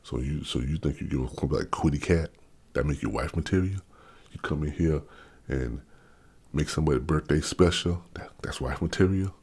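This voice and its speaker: Blunt dc-area guy about fifty, super deep husky voice, ranting to camera. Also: normal speed, a little mellow. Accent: Maryland / Washington DC area. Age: 50s. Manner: blunt, repetitive, stammers on restarts. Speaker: vlogger. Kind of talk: unscripted opinion rant.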